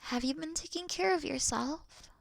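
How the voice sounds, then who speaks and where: A woman playing a caring, worried best friend in an intimate roleplay audio call, speaking softly and soothingly with breathy murmurs. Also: high voice, normal speed, no room sound. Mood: gentle concern. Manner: soft, soothing, reassuring, sighing, dropping into breathy murmurs. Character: caring, gentle young female best friend, patient and worried.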